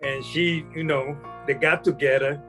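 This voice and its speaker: A man in his sixties, born in Vietnam, telling his life story as an interview guest in a halting way that often restarts phrases. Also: fairly high pitch, steady tone, over music, low-quality recording. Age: 60s.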